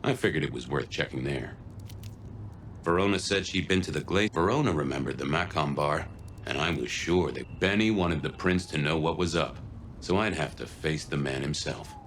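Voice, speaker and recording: A man a brooding gumshoe narrating his case for a noir game. The voice sits extremely low, with reflective storytelling over faint background noise. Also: animated, moderate pace, a bit bright. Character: brooding male detective recounting his investigation.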